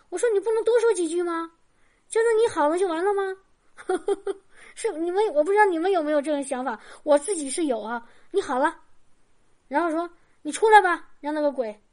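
A woman with a high voice preaches a personal testimony to her congregation. She rambles and repeats herself, fills pauses with little verbal tics, and acts out the voices in her story. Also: darkish tone. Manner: rambling, repetitive, full of fillers. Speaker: church preacher giving testimony. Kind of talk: sermon testimony.

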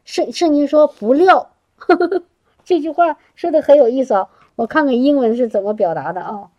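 High-voiced woman preaching a lively sermon. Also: normal speed, dull audio. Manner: animated, exclamatory, laughs often, repeats words.

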